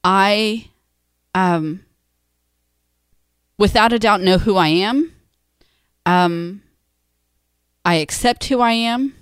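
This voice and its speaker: A woman in her thirties with a medium-pitched voice, recorded dry with hardly any room sound. She talks casually and conversationally as a podcast co-host. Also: extremely slow, long pauses, clean tone, no echo. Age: 30s. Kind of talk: casual married-couple chat.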